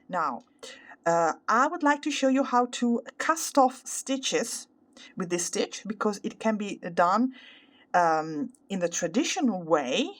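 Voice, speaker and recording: A woman with an Italian accent, a native Italian speaker, explaining a craft tutorial carefully, step by step and with pauses. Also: medium pitch. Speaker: crochet tutorial host. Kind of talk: instructional craft tutorial, unscripted.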